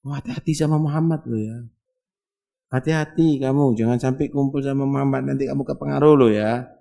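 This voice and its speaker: A man's voice: mid-range voice, steady tone, fairly quick, gravelly, mellow, voice pushed up, lightly acted. A man voicing a suspicious, grumbling old blind beggar who keeps warning others.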